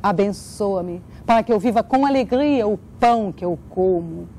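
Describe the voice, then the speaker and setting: A woman's voice: mid-range voice, normal speed, warm tone, a little hiss or hum. A woman speaking earnestly as a guest, in the manner of someone who performs. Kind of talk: earnest interview talk and poetic recitation.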